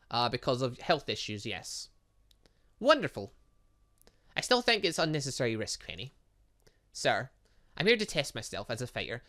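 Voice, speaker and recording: A man hosting a gaming video, reading visual novel dialogue aloud with casual asides, stumbling over words and correcting himself. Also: mid-range voice. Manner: animated, exclaims and reacts playfully.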